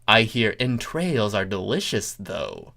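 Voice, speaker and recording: A performer voicing a solemn, contrary, deadpan male oddball in a cartoon fan story. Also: mid-range voice, slow, creaky, voice pushed down, full character voice. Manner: deadpan, intoning.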